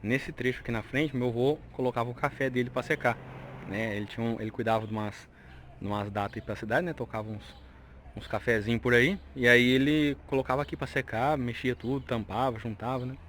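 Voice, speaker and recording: A man's voice: mid-range voice, brisk, a bit bright, a little hiss or hum. A young man with a Brazilian Portuguese accent, telling family memories in a chatty way and often ending with a question tag while he walks through an old family house. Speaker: vlogger touring his grandparents' house. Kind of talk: casual nostalgic storytelling.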